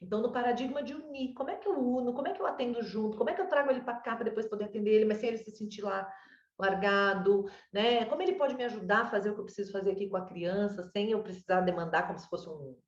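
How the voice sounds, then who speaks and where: A woman's voice: medium pitch, quick pace. A woman with a Brazilian Portuguese accent giving a parent advice, explaining patiently and checking in with "né?" and "sabe?". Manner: warm explanatory, lots of "né?" and "sabe?". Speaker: child development consultant. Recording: roomy, distant, dull mic.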